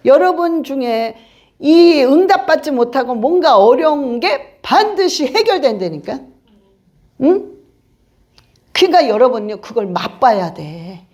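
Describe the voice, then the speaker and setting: A woman pastor preaching a sermon in an animated, colloquial way, acting out voices as she goes. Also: sits high, measured pace. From Korea. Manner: animated, colloquial, acts out voices of spirits and doubters.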